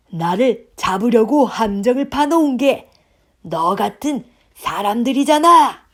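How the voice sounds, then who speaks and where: A put-on character voice, growling and bellowing at a fairly high pitch and a fairly slow pace. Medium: read story. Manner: growling roars.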